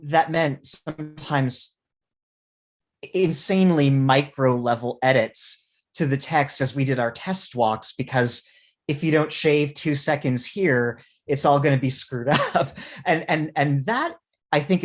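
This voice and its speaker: A man with a mid-pitched voice takes part in a panel discussion. He speaks articulately, in elaborate, academic phrases. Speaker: panelist, theatre writer and producer.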